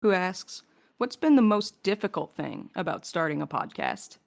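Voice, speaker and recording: A woman's voice: fairly low pitch, sing-song, normal speed, gravelly. A woman hosting a casual question-and-answer chat with her podcast crew. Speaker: podcast host, producer and voice actor.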